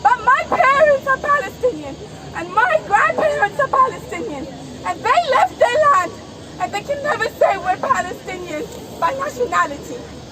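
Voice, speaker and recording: Shaky, high-voiced young woman at a rally. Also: very animated, normal speed. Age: 20s. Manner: urgent, voice rising and breaking. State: emotional, shaky. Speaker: rally speaker. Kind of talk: impassioned protest speech. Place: outdoor street rally. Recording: loud crowd and street noise.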